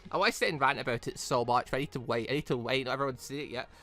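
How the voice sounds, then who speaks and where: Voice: mid-range voice, rapid-fire, fairly bright tone, dry recording. A person doing a casual let's-play, reading a visual novel aloud and often stumbling and rereading phrases. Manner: stumbles over read lines and repeats them.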